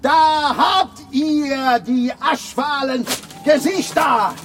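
An actor playing a sardonic, bitter Soviet writer in a radio drama, mocking and breaking into shouted rants. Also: male voice, high voice, very animated, measured pace, a little hiss or hum. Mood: ranting.

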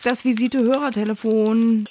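A woman's voice: fairly high pitch, steady tone, moderate pace, mellow, a little hiss or hum. A woman hosting a health phone-in, speaking in a polite, courteous customer-service manner. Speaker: phone-in show host. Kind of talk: radio health phone-in moderation.

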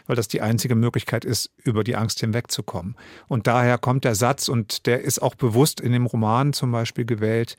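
A man's voice: medium pitch, fairly even intonation, fairly quick, no echo, clean studio sound. A man in his fifties from Germany, a writer and radio drama director, talking as a guest in a radio interview, reflective and self-mocking, with many fillers. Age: 50s.

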